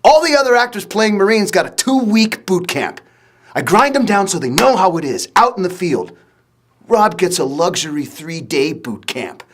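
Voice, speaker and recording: Profane ex-Marine trainer ranting loud, higher voice. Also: male voice, lively intonation, normal speed. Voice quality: profane, blunt, loud storyteller. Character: blunt ex-Marine male trainer, crude. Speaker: former Marine, film military adviser.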